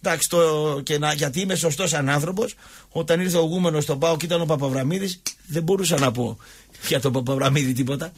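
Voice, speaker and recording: A husky, fairly high-voiced man. He hosts sports radio and tells stories loudly in street slang, throwing in sound effects. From Thessaloniki, Greece. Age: 50s. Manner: rowdy, slangy, acts out fights with sound effects. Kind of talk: boisterous storytelling chat.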